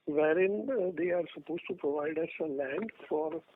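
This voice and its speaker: A man's voice: on the high side, normal speed. A man with an Indian accent, a company executive explaining plans on an earnings call over a noisy phone line. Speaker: company executive answering questions.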